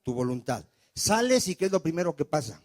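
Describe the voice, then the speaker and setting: Pastor, male, slightly high voice; church sermon with crowd questions and hushed prayer asides. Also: big pitch swings, brisk.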